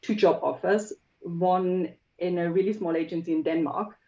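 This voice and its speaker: A woman's voice: on the low side, steady tone, moderate pace, warm tone, muffled recording. A woman from Germany, a native German speaker, chatting as a podcast guest about her career in translation technology, with frequent ums. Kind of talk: casual interview chat.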